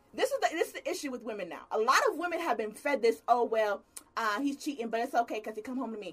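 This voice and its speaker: Over noticeable background noise, a woman talks at a very fast pace in a high pitch, with lively intonation and big swings in loudness. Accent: American. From US suburbs. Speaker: podcast guest discussing relationships. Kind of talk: casual chat.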